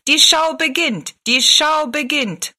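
A woman's voice: high-pitched, sharp tone, pitched above the performer's own voice, exaggerated voice. A woman voicing a male showman who calls people into his show, stretching his words like a fairground barker. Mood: calling. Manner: drawn-out barker's calling. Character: loud male showman calling in a crowd.

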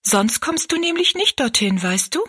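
Woman voicing a pious little girl, bright and high. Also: big pitch swings, moderate pace, slightly rough, full character voice. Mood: earnest. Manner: eager, sincere questioning. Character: earnest pious little girl, gentle and curious.

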